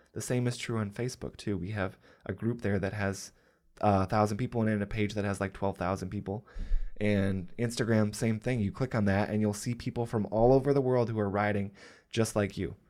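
A man speaks in an unremarkable speaking voice at a fairly quick pace, his pitch fairly low. His intonation stays fairly even, and the recording is very clean with a silent background. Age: 30s. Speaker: copywriter and cycling advocate. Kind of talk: casual interview chat.

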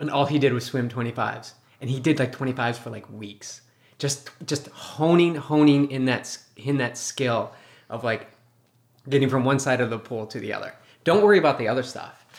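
An unremarkable speaking voice from a man with an American accent, fairly quick, medium in pitch, ordinary pitch variation and big swings in loudness. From Massachusetts. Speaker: podcast co-host, coach. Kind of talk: casual interview.

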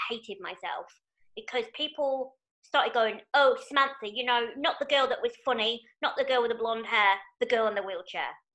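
A woman talks at a moderate pace with a high pitch. Her tone is bright and sharp, with ordinary pitch variation. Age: 30s. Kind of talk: casual chat. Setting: video call.

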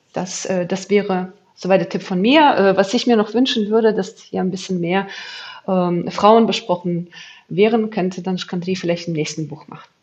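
A woman speaks at a medium pitch, her loudness swinging widely. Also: ordinary pitch variation, moderate pace. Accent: Russian. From Ukraine, Chernivtsi. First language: Russian (speaking German). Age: 30s. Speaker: human rights activist and historian. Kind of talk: podcast panel interview.

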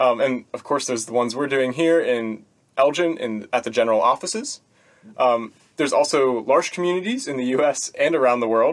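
With an unremarkable speaking voice, a man talks at a fairly quick pace in a fairly high pitch with ordinary pitch variation. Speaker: church volunteer, work camp coordinator. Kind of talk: casual conversational interview.

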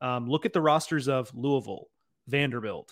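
On a very clean recording with a silent background, a man talks in a normal speaking voice at a fairly high pitch, a moderate pace and ordinary pitch variation. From Texas. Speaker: college baseball writer. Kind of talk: casual chat.

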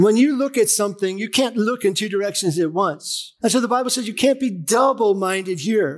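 A man's moderately paced speech, with ordinary pitch variation, comes through on a very clean recording with a silent background. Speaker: pastor. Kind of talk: sermon. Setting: church. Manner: animated; emphatic.

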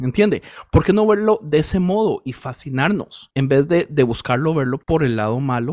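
A man with a Costa Rican accent, fairly high pitch, moderate pace and lively intonation, in a very clean recording with a silent background. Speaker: podcast host. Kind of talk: casual discussion.

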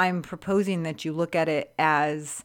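A woman's normal speaking voice, fairly low in pitch with ordinary pitch variation, at a fairly slow pace on a very clean recording with a silent background. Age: 40s. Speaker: health and hormone coach podcast host. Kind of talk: solo podcast monologue. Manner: casual with frequent fillers.

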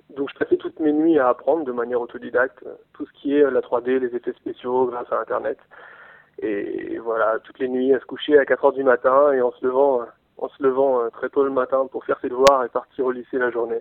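The loudness swings a lot. The pace is fairly quick. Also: man. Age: 20s. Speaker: visual effects supervisor and entrepreneur. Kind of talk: interview. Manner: halting.

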